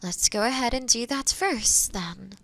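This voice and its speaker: Gentle, slow-talking young-sounding witch, acted by a woman. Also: fairly high pitch. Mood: careful, hesitant. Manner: soft, caring, hesitant, explaining patiently. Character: kind, gentle forest witch brewing potions. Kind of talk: roleplay audio addressed to the listener.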